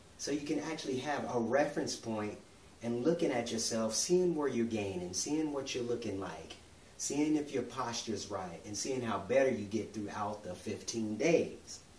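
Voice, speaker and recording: A man's fairly slow speech with audible room echo and light background noise. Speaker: fitness coach. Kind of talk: instructional explanation of challenge rules. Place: home room. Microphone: camera far.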